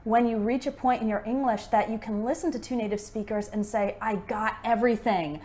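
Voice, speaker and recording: A woman's voice: on the high side, brisk. A young American woman, an English teacher, chatting casually with a co-host in a conversation lesson. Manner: friendly, relaxed, asks questions.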